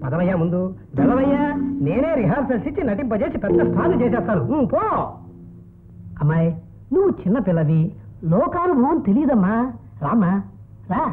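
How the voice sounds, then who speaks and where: A sleazy, pushy film director. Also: male voice, very high-pitched, sing-song, a little fast, pauses often. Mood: coaxing. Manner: coaxing, pushy, sudden loud shouts. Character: sleazy middle-aged male director, pushy and leering. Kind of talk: dubbed film drama. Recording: phone-like narrow sound with music.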